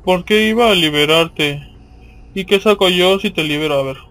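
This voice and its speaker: A man's voice: sits high, normal speed, a bit bright. A man with a Mexican accent giving casual, slangy, profanity-laced commentary as he plays a video game.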